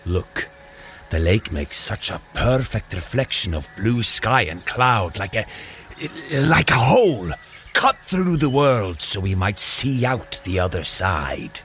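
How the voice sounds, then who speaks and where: An actor playing a boisterous, eager Norse god in an audio drama, exclaiming in a theatrical, grandly formal way. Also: male voice, fairly low pitch, big pitch swings, takes it slowly, fairly bright tone, full character voice. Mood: awed, curious. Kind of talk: scripted audio drama acting.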